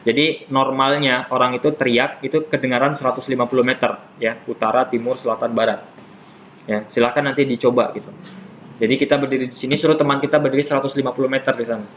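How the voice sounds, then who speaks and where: A man's voice: medium pitch, steady tone, fast, fairly bright tone, slight background noise, low-quality recording. A man teaching a casual classroom lesson on Islamic jurisprudence. He explains step by step, repeats his terms and teases his students.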